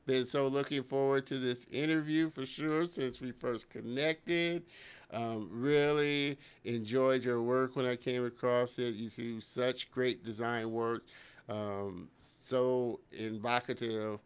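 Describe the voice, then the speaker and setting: A man's voice: mid-range voice, steady tone, takes it slowly, clean tone. A man in his fifties hosting a live-streamed interview from a home studio, talking enthusiastically and repeating words. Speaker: host. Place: home studio with colorful lighting. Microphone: studio mic on boom arm.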